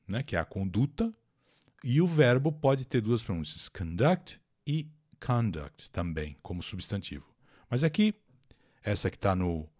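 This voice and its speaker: A man's voice: fairly low pitch, a little mellow. A man with a Brazilian accent teaching English in a live online lesson, reading a text aloud, translating it and explaining pronunciation while chatting with viewers. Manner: chatty, addresses viewers directly.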